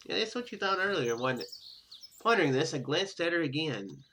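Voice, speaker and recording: A man with a fairly high, bright voice narrates game text as a gaming host. He slips into casual, offhand commentary as he goes. The recording is clearly noisy, with clicks in it. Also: sing-song, a little fast. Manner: ad-libs offhand remarks, casual and informal. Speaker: gaming video host playing a visual novel.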